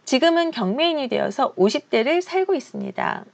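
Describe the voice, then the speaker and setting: A woman's voice: high voice, sing-song, brisk, gravelly, highs cut off. A woman in her fifties talking earnestly and reflectively to her viewers in a personal vlog. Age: 50s. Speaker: real estate auction instructor and YouTuber.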